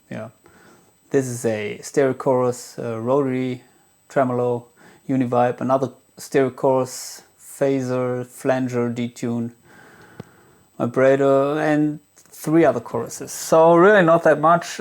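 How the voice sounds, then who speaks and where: Halting man giving a casual gear demo. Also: mid-range voice. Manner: hesitant, halting, thinking aloud. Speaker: guitar gear reviewer. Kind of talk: casual product demo talk.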